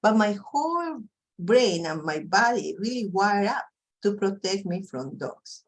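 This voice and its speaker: A woman's voice: medium pitch, very animated, a little slow. A woman from Peru with a thick Peruvian Spanish accent, leading an online training session in a conversational way with many fillers. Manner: conversational, frequent "you know" fillers.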